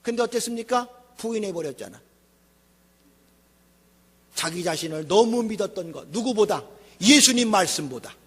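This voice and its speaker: A man's voice: sits high, lively intonation, normal speed, pauses often, husky. A male pastor preaching a sermon, with a dramatic, rising and falling delivery and rhetorical questions. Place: church sanctuary. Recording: echoey church hall.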